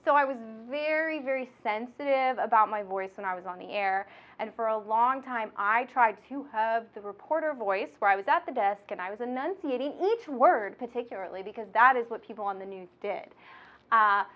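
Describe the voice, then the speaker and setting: A woman's voice: fairly high pitch, brisk, dull audio. A woman with a nasal voice, hosting and teaching in a bubbly, chatty way. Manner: bubbly, chatty, laughs often. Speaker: instructor and podcast host. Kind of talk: casual instructional chat.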